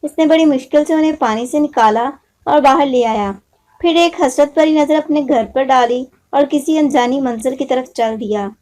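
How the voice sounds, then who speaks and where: High-pitched, mellow woman storyteller. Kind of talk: scripted children's moral story narration.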